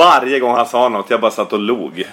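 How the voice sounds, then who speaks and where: The pace is fairly quick. Noticeable background noise sits behind the speech. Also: man. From Norrland, Sweden. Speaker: hockey expert. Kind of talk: casual chat.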